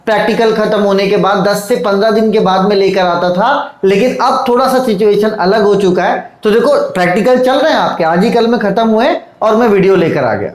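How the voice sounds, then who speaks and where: Male online tutor, high voice, fatherly and coaxing, roomy echo. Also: fairly quick, few pauses. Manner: coaxing, fatherly, calls students "beta"; repeats checks like "theek hai" and "dekho". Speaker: teacher. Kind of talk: online lecture to students.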